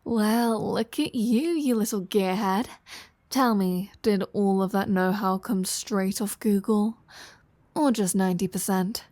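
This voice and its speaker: Woman acting a flirty, slow-talking vampire woman, dry sound. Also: mid-range voice, darkish tone, no room sound, close to an everyday voice. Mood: playful teasing. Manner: teasing, casual, sardonic, with sighs and drawn-out phrasing. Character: flirty, teasing female vampire, sardonic and casually foul-mouthed. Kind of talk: intimate roleplay audio drama addressed to the listener.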